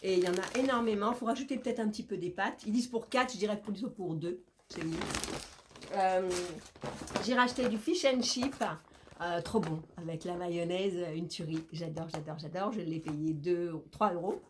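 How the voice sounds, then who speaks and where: A woman's voice: on the low side, normal speed, noisy background. A woman in her fifties chatting casually to camera about her groceries, a little stuffy with a cold, cooing to her cat now and then. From France. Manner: chatty and playful, coos and baby talk to her cat. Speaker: vlogger. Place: bedroom with leafy wallpaper, indoors. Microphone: camera in front at close range.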